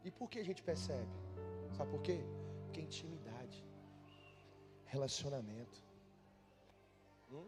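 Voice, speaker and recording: A man's voice: mid-range voice, lively intonation, measured pace, pauses often. A man preaching a sermon as a pastor in a conversational, humorous way, often putting questions to the congregation. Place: church. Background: instrumental music.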